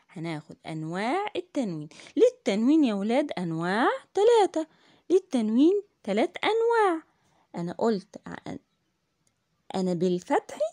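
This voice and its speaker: A woman's voice: medium pitch, darkish tone, dry recording, studio quality. A woman with an Egyptian Arabic accent teaching young children in a classroom lesson, repeating each point patiently, asking the class questions and praising answers. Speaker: primary school teacher.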